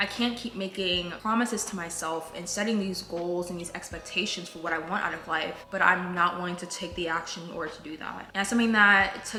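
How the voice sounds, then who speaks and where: Against noticeable background noise, a woman with an American accent speaks at a very fast pace with lively intonation. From Queens, New York. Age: 20s. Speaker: lifestyle vlogger. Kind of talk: casual talk to camera.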